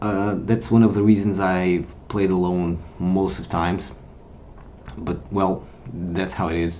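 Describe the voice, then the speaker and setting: A man's fairly low, dark, mellow voice in a Portuguese accent, with audible room echo. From Portugal. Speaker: gaming YouTuber. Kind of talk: casual gaming commentary. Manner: halting, many fillers and repeats.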